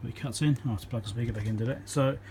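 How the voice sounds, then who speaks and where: An electronics repair presenter talking casually as he works at his home workbench, thinking aloud with frequent ums and pauses. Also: medium pitch, dark tone, a little hiss or hum. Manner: thinks aloud with many ums, counts into the mic.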